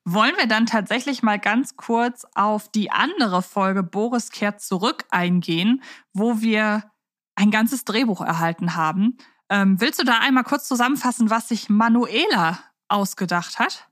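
A woman's voice: mid-range voice, unhurried, a bit bright, no echo. Woman podcast co-host, dry close sound. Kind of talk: conversational podcast discussion.

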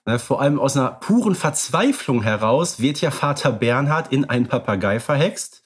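Male podcast co-host, mid pitch, easygoing and affirming, conversational. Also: lively intonation, normal speed, slightly rough. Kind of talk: casual chat about radio plays.

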